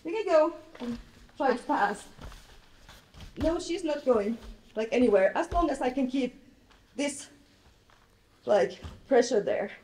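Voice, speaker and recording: High, unhurried Finnish woman teaching. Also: low-quality recording. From Finland. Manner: loud voice, plain halting instruction. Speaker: jiu-jitsu instructor. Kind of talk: live technique demonstration. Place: large bright mat hall with windows.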